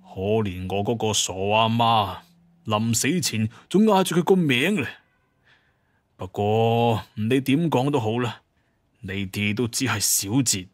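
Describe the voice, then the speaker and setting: A man's voice: fairly low pitch, unhurried, no echo, close to an everyday voice. A man playing a proud, bitter hunter clan heir in an audio drama, with an emphatic manner. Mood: bitter, indignant.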